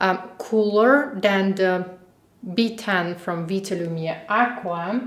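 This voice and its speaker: The speech comes at a very slow pace with ordinary pitch variation, amid audible room echo and noticeable background noise. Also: woman, medium pitch for a woman. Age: 30s. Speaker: beauty vlogger. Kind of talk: tutorial. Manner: casual, chatty.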